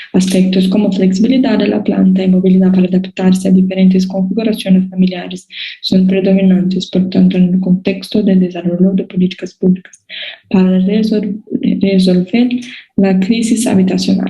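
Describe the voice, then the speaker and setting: A woman with a Brazilian accent speaks at a medium pitch in a flat monotone, her loudness very even throughout. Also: moderate pace. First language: Portuguese (speaking Spanish). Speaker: conference presenter, graduate student. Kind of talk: conference presentation. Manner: halting, with fillers.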